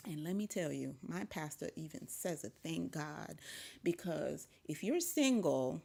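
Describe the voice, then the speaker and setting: A woman from Zambia talking in a casual chat as a podcast guest, emphatic and animated, with sudden high exclamations. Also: measured pace, gravelly.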